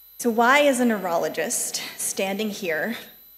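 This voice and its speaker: A woman's fairly high voice carries audible room echo and noticeable background noise. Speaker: neurologist. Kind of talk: conference lecture. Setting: conference stage with audience. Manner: soft-spoken.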